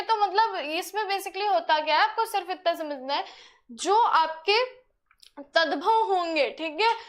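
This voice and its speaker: A woman's voice: extremely high pitch, fairly bright tone. A young woman teacher giving a chatty grammar lesson, often asking her students rhetorical questions.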